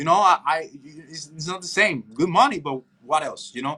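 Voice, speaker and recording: Speaking fairly quickly with a Spanish accent, a man has a fairly high pitch, ordinary pitch variation and a bright, sharp tone. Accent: Spanish-accented English, noticeable. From Puerto Rico. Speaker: chiropractor. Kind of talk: podcast interview. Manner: animated.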